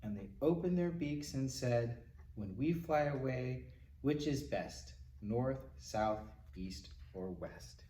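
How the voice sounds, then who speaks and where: A man reading a picture book aloud to young children in a gentle, simple manner, with little asides to them as a storytime reader. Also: mid-range voice, lively intonation, slow pace. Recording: roomy, distant mic with faint noise.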